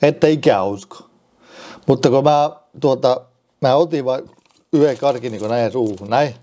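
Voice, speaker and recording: A man from Finland chats at home in a loose, rambling way, trailing off and restarting his words as he jokes along. His voice is mellow and relaxed, sitting in an ordinary middle pitch. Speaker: vlogger. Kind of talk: rambling casual vlog.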